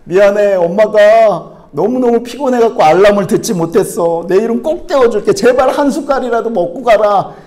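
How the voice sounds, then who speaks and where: A man playing a tired mother who apologizes gently and pleads with her child. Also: high voice, lively intonation, moderate pace, few pauses, voice pushed up. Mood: apologetic, pleading.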